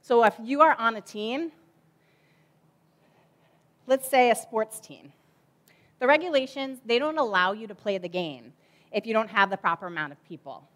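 A woman's voice: on the high side, normal speed, long pauses, fairly bright tone. A woman in her forties, a children's ministry director, giving a chatty object lesson sermon from a church stage with lots of fillers.

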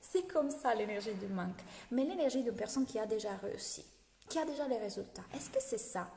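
A fairly high-voiced woman in her thirties speaks French with an Italian accent, chatting lively and laughing as she coaches her followers live. She talks into a phone held at arm's length at home. The room is echoey, with a long reverb trailing her words. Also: brisk, vocal fry, slight background noise. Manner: lively, laughs often, greets viewers' comments. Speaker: business coach. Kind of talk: live video talk to followers.

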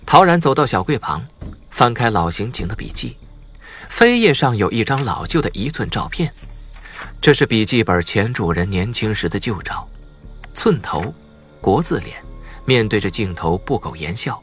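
A man's voice: on the low side, sing-song, normal speed, fairly bright tone, soft background music. A man reading a novel aloud as an audiobook narrator, in a scripted, dramatic storytelling style.

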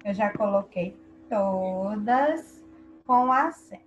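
A woman's voice: mid-range voice, animated, slow, muffled recording, slight background noise. A Brazilian woman teaching an online class to young children, patiently quizzing her pupils. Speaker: primary school teacher.

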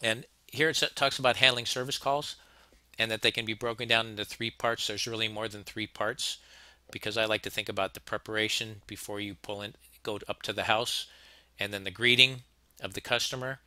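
A man gives a relaxed, plain-spoken training lecture, circling back and repeating himself as he goes. His voice sits a little low but comes across very bright and forceful. It is recorded close and dry, with no room sound. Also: fairly quick, clean tone, dry recording. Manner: plain-spoken, conversational, frequent restarts and repeats. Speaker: HVAC instructor. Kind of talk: narrated slide lecture.

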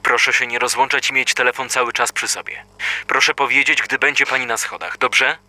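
An actor playing a calm, formal emergency dispatcher who keeps insisting the caller leave the house. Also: male voice, mid-range voice, a little fast. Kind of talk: audio drama acting.

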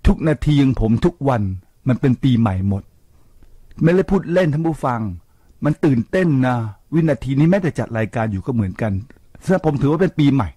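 An older radio host lectures listeners in a lively, preachy tone, asking rhetorical questions and sprinkling in English. His mid-range voice runs a little fast with a breathy edge, recorded on a studio microphone without echo.

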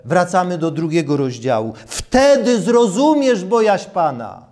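High-pitched, slow-paced male preacher. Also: sing-song, a little mellow. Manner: deliberate, emphatic, repeats key phrases. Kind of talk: sermon with scripture reading. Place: small church room, at a lectern.

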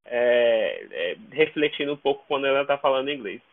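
A man's voice: medium pitch, very animated, moderate pace, vocal fry. A Brazilian man chatting casually as an interview guest, often repeating words as he searches for the next. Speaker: podcast guest. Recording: narrow, tinny phone-like call audio.

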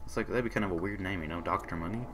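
A hoarse young man with a sore throat, casually commentating a game he is playing, reading on-screen messages aloud and answering them. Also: sits low, very fast, noisy background. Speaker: gaming channel host. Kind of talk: casual let's-play commentary.

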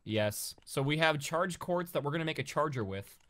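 A man's voice: fairly high pitch, expressive, normal speed, a bit bright. A man co-hosting a gaming series, chatting casually and thinking aloud while he plays. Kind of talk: casual gameplay chat.

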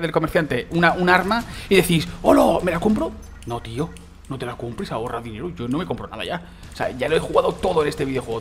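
Fast-talking gamer man. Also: on the high side, a bit bright, a little hiss or hum. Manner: rambling, repeats himself, addresses viewers as chicos. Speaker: gaming YouTuber. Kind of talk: casual gameplay commentary.

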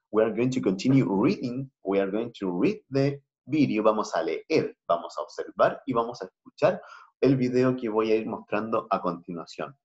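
A man with a Chilean accent teaching an English class online, switching between slow English and Spanish explanations. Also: on the low side. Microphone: video call. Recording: muffled video-call audio.

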